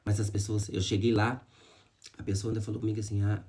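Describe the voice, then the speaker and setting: Gravelly man sharing a personal testimony. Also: lowish voice, little pitch movement, fast talker, a little mellow. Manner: emotional, addresses viewers as "gente", religious. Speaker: vlogger.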